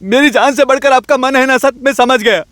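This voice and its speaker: A man voicing a cheeky petty thief in a dubbed film, flattering and pleading with the inspector. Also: very high voice, a little fast, no echo, studio quality. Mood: fawning. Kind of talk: Hindi film dubbing. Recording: film soundtrack with music behind.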